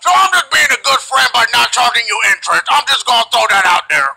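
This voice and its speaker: A man voicing a whiny, complaining male fighter in a comedic fan dub, shrill and yelling. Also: very animated, fast talker, vocal fry, breathy edge, full character voice, rough recording.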